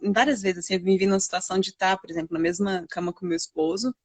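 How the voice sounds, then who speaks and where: A woman, a guest mother telling a personal story in a halting way, with many fillers. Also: mid-range voice, steady tone, dry recording. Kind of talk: personal storytelling in a live chat.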